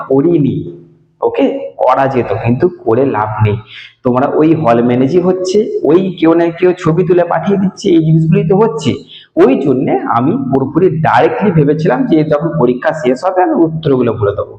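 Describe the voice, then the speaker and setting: A man's voice: mid-range voice, darkish tone. A male teacher going over exam answers, talking casually and straight to his students in a room with a strong echo from work going on. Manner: casual, addresses students directly. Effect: strong echo from a bare room. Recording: echoey room, dull lo-fi sound.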